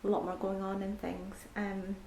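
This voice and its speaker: Young Scottish woman vlogger, relaxed mellow chatter with ums and soft near-whispers, in a roomy space. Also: medium pitch, moderate pace, vocal fry. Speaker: book vlogger. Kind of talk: casual reading vlog. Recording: echoey room with faint background hiss.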